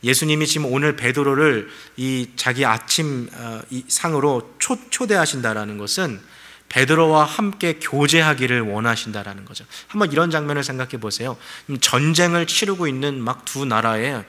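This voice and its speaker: Bright-voiced man preaching conversationally. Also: medium pitch, animated, normal speed. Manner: conversational preaching with rhetorical questions. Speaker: pastor. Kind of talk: sermon.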